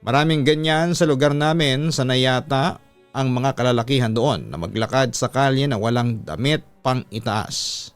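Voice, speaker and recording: A man's voice: mid-range voice, normal speed, smooth, dry recording, faint music behind. A man reading a listener's personal letter aloud as a scripted, storytelling radio-style narration.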